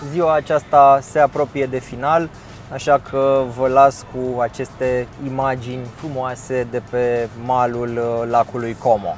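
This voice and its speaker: A man reports from outdoors at an event in a relaxed, easygoing way. He hesitates often and fills gaps with short pauses, like a casual vlogger. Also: medium pitch, faint music behind. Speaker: journalist presenting a video report.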